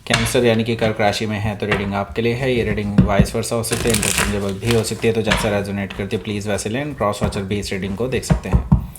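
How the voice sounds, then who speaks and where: Hoarse man reading tarot. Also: on the low side, fairly even intonation, quick pace, very noisy. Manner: mixes Hindi with English phrases, many fillers. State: sore throat, clearing it. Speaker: tarot reader. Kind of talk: casual tarot reading to camera.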